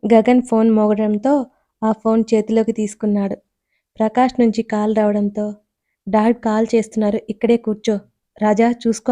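A woman storyteller reading a romance audiobook in a steady, scripted narration on a close mic. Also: mid-range voice, no room sound.

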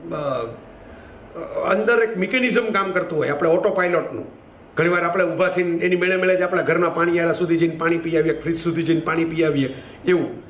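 A man tells a story in a loose, conversational way and breaks off for asides. His voice is fairly high for a man. It rings around a roomy space with faint noise behind. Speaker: storyteller, speaker. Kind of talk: storytelling talk.

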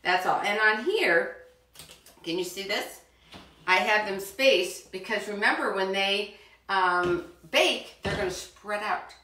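A woman's voice: medium pitch, takes it slowly, sharp tone. A middle-aged woman hosting a live cooking demonstration for children in her home kitchen, chatty and encouraging as she talks straight to the kids. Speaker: cooking show host for children. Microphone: far camera. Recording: roomy kitchen sound from a distance.

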